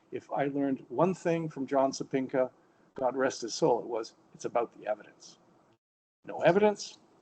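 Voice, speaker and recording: Speaking in a Canadian accent with a dark, mellow tone, the voice keeps a moderate pace and ordinary pitch variation, with long, frequent pauses. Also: man. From Canada, Kingston, Ontario. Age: 70s. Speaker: retired professor. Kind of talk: guest presentation and panel discussion. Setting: video call. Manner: animated.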